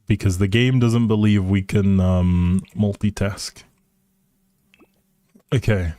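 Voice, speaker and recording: A man with a dark, relaxed voice talks at a slow, easy pace, as if streaming a game. He thinks out loud and replies to viewers in casual chat, recorded close and dry. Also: on the low side, no room sound. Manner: thinking aloud, musing, responding to viewers. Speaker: live streamer.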